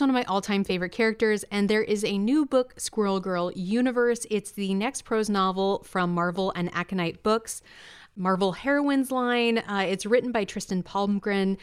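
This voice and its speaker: A woman's voice: medium pitch, smooth. A woman co-hosting a chat show about comics, talking in a chatty, enthusiastic way. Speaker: co-host. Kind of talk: casual chat.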